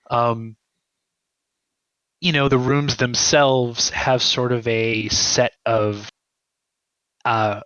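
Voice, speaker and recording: A man being interviewed as a guest writer, explaining his ideas conversationally in a thoughtful, halting way and often checking in with "right?". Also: medium pitch, fairly bright tone, no echo, highs cut off.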